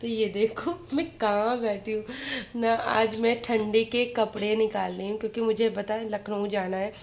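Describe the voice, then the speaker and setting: A woman's voice: mid-range voice, little pitch movement, moderate pace, a little hiss or hum. A woman in her thirties talking casually to viewers in a home vlog, venting about family troubles in a chatty, talkative way. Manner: talkative, venting with frustration, addresses viewers directly. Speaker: vlogger and mother. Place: at home, sorting winter clothes.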